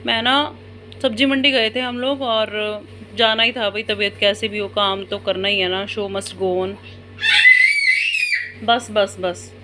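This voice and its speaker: A woman's voice: medium pitch, little pitch movement, slow pace, raised voice. A mother, vlogging casually at home at night and coaxing and soothing her children. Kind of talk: casual home vlog talk. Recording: noisy home phone recording.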